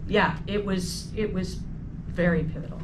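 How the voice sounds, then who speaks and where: A woman's voice: on the low side, steady tone, moderate pace. A woman actor guest chatting casually and laughing often, recorded on a handheld phone in a venue. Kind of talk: casual chat. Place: screening venue with audience. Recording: phone recording with background noise.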